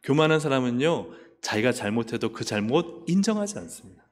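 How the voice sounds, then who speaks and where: A man's voice: medium pitch, big pitch swings, fairly quick. A male pastor with a Busan accent preaching a sermon, asking the congregation questions and acting out Bible figures' voices. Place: church sanctuary. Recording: echoey church hall.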